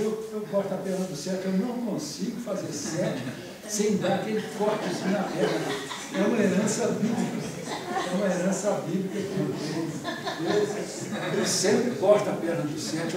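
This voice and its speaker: Brazilian grammar teacher, man, high voice, jokey lecture, echoey room from afar. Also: distant mic. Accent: Brazilian Portuguese. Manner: jokey, acts out quotes in lively voices. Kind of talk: classroom lecture with anecdotes.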